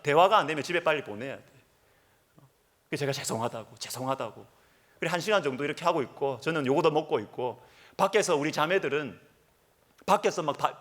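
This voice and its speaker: Man, middle-aged, preaching, animated pitch swings, storytelling sermon. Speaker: pastor. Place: church sanctuary.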